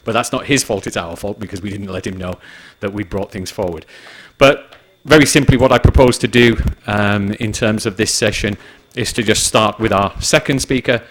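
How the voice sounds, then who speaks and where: A man chairing a conference session, speaking in a relaxed, joking and measured way. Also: on the low side, slight background noise. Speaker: session moderator.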